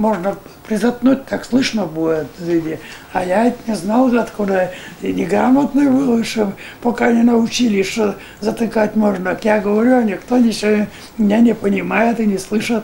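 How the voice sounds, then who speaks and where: Amid light background noise, a man with a high pitch speaks at a moderate pace with fairly even intonation and long, frequent pauses. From Vologda region, Russia. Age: 80s+. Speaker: war veteran. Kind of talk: interview answer. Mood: earnest war recollection. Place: home room.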